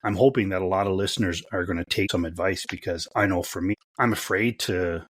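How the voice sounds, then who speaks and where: Very deep, husky-voiced woman. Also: brisk, no echo, clean studio sound. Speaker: podcast co-host. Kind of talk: casual conversational interview.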